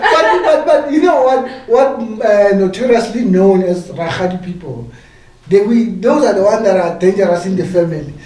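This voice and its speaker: Amid noticeable background noise and audible room echo, a man with a high pitch talks at a moderate pace with lively intonation. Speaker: online radio podcast host. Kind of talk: casual interview chat.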